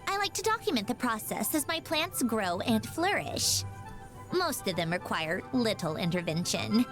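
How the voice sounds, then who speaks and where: A woman's voice: a little high, sing-song, moderate pace. An actress voicing a proud, ladylike young machine doll in a video game, with a prim, precisely worded delivery. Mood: refined, contented. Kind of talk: scripted video game character voice lines. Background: music.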